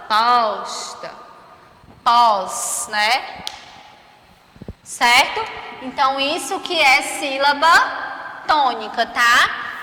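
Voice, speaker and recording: A woman's voice: high-pitched, pushed and bright. A Brazilian woman teaching young children in a remote lesson, stretching out syllables and checking in with frequent tag questions. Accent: Brazilian Portuguese. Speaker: primary school teacher. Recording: roomy echo, long reverb.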